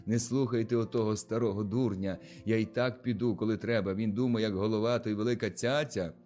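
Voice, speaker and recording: A hot-tempered young villager fires back with loud, scornful challenges, put on by a male audiobook narrator. The voice sits low. Soft music plays underneath. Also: steady tone, brisk, lightly acted. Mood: defiant.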